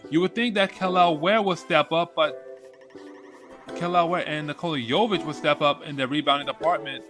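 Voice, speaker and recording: A man co-hosting a casual sports talk show, giving short agreeing replies and steady analysis. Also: fairly high pitch, moderate pace, music in the background. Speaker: sports podcast co-host.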